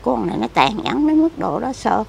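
Old lady, gravelly voice, pitch jumps all over, rambles on and on. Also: big pitch swings, brisk. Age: older. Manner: rambling, repetitive complaining. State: frail, weak. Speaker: interviewee. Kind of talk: casual chat. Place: outdoors near a cemetery.

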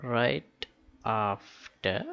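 A man giving an unscripted software tutorial, halting as he thinks aloud. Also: on the low side, creaky, smooth, highs cut off. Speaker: tutorial host.

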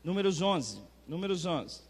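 High-voiced Brazilian man preaching emphatically. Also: big pitch swings, a little slow, slightly rough. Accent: Brazilian Portuguese. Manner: emphatic preaching, swells loud on key phrases, talks directly to congregants. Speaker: pastor. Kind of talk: sermon. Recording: long reverb of a church hall.

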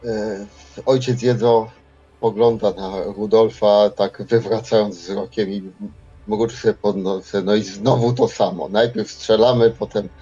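A man with a raspy, slightly low voice takes part in a tabletop game. He explains his moves in a halting, casual way. The microphone sounds dull, and music plays faintly behind him. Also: steady tone, warm tone. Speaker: player in a tabletop roleplaying game. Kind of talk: casual in-game description of character actions.

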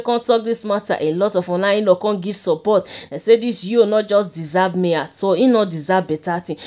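A woman's voice: mid-range voice, mellow. A woman with a Nigerian accent hosting a gossip channel, talking chattily to her viewers in Pidgin and calling them "my people" again and again. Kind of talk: casual gossip commentary. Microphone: voice-over.

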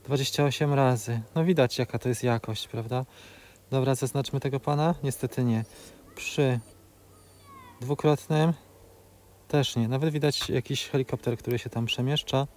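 A man's voice: medium pitch, steady tone, normal speed, darkish tone, slight background noise. A man in his forties gives a practical, step-by-step tutorial commentary while flying a drone outdoors, with filler sounds between phrases. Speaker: drone video creator. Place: outdoors in open grassland.

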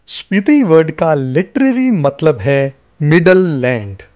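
A man's voice: fairly high pitch, darkish tone. A man narrating a travel guide as a scripted voice-over, speaking to viewers as friends. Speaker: travel vlogger. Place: voice-over, not recorded on location. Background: faint background music.

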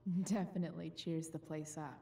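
A woman's voice: low voice, fairly even intonation, measured pace, creaky, mellow. A wry, sarcastic teenage girl. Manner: dry, wry muttering to herself. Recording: game audio with faint background noise.

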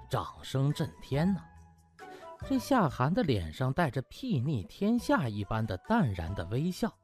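Male narrator for a comic web novel, very animated delivery over music. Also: fairly high pitch. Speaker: audiobook narrator. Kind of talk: lively comic storytelling.

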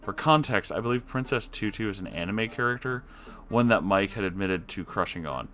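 A man reading an online story aloud, adding sarcastic asides to the listener in a lively voice that swings between loud and quiet. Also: fairly low pitch, brisk, soft background music. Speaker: story reader.

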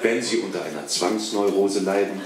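A man's voice: deep voice, normal speed. Man on an echoey answering machine message. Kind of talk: parody hotline recording. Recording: echoey, distant, noisy recording.

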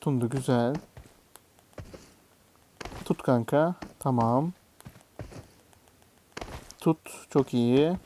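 A young man talks his way through a mobile game with a mellow, darker voice. He mostly mutters to himself at a middling pitch, then bursts into swearing and yelps when a jump fails. His voice has a faint noise under it. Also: very slow, pauses often. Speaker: gaming YouTuber. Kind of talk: casual gameplay commentary.

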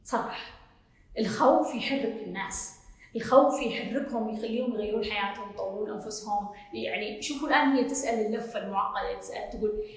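A woman's voice: mid-range voice, quick pace. A woman with a Gulf Arabic accent, a self-development coach answering questions in casual Q&A talk, speaking emphatically and reassuringly and often repeating her points. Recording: very echoey long reverb.

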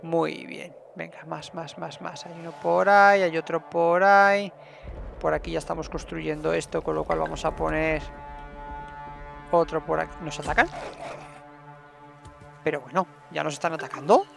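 Male streamer, chatty let's play voice with a creaky edge. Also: fairly high pitch, steady tone, moderate pace, pauses often, music in the background. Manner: chatty, talks to his game characters. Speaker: gameplay streamer. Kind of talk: casual let's play commentary.

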